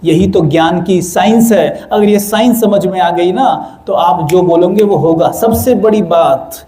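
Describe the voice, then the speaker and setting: A young man giving a lively spiritual talk to a live audience, asking them to answer aloud. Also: high voice, measured pace. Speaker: spiritual speaker.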